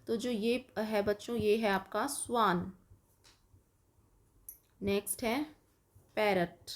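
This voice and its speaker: A woman's voice: mid-range voice, steady tone, slow. A woman teacher with an Indian English accent giving an online lesson to young children, dictating word by word and explaining patiently.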